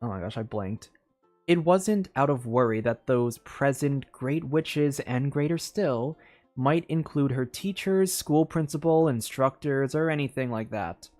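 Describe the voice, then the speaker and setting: A game streamer reads a story aloud with an expressive, somewhat dramatic storybook delivery. The voice sits at a middling pitch, with music playing behind it. The reading is informal and open to casual asides. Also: measured pace.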